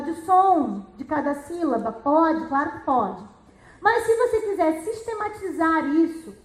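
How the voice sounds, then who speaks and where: A middle-aged woman with a high voice explains reading lessons to teachers. She talks in a lively way and keeps asking rhetorical questions. The room around her is roomy and echoey. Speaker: educational psychologist and teacher.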